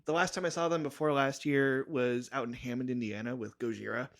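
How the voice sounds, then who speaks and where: A man's voice: medium pitch, steady tone, brisk, a bit bright. A man chatting casually about music on a podcast in an informal, joking, slangy way. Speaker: podcast guest.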